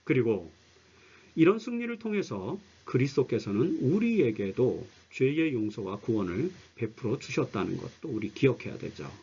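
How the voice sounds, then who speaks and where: A man's voice: mid-range voice, big pitch swings, normal speed, mellow, slightly rough, highs cut off. A man presenting Bible study commentary as an explanatory lecture, with emphatic, didactic phrasing and sentence endings that trail off. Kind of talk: explanatory religious lecture with scripture readings.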